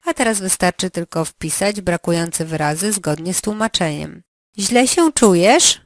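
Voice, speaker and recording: A woman running a language lesson, giving slow, carefully articulated prompts for the learner to answer. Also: on the low side, lively intonation, dry recording, clean studio sound. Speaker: language teacher.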